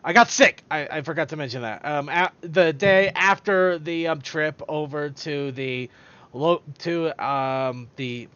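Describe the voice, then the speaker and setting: Speaking a little slowly in a pushed, bright, clean tone, a high-voiced male podcast host rambles casually and trips over his words. The stream audio is close and dry with no echo, slightly dull and lo-fi.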